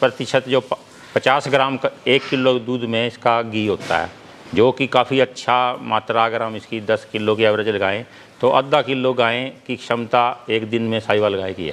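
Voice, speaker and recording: Fairly slow, fairly even male delivery at medium pitch, an unremarkable speaking voice. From Haryana, India. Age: 50s. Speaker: dairy farmer. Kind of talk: interview. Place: farm machine. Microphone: lapel.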